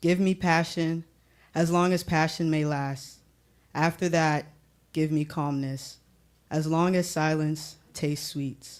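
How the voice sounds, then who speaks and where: Very slow, Nigerian-accented speech broken by long, frequent pauses, on a very clean recording with a silent background. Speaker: poet. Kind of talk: poetry reading.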